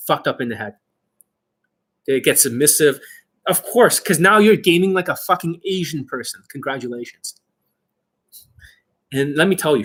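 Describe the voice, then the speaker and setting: A man giving informal coaching to online viewers as their host, brash and boastful, with emphatic, sweary delivery and a slightly rough, husky voice. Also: on the high side, a bit bright. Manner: acts out mock exchanges, emphatic.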